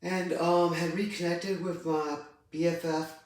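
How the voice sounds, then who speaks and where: A middle-aged trans woman telling a personal story in a vlog, halting and hesitant. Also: on the low side, flat delivery, a little mellow. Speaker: vlogger. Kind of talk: personal confessional vlog talk. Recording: very echoey room, distant mic.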